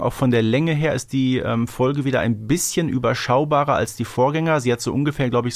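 A man's voice: mid-range voice, no echo. Man co-hosting, dry studio-like sound. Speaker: podcast co-host. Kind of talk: conversational audio drama review.

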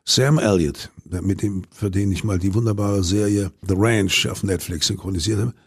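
Brief: older male actor, deep gravelly timbre, loose anecdotal delivery with restarts, dry close sound. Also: steady tone, moderate pace, dry recording. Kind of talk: interview answers.

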